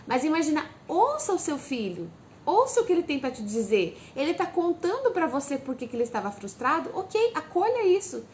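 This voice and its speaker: Woman with a high voice coaching parents on tantrums, answers her own questions, soft faint noise behind her. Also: brisk. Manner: acts out calm, soft lines a parent says to the child. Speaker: parenting educator. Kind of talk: direct-to-camera parenting advice.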